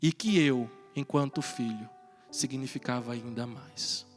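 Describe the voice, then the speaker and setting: A man, a priest telling a personal story in a sermon, animated and then hushed for tender moments. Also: medium pitch, a little slow. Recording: reverberant church hall with faint music.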